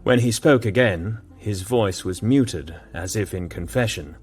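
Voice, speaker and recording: A man narrating a palace drama in slow, measured storytelling. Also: fairly low pitch, faint music behind.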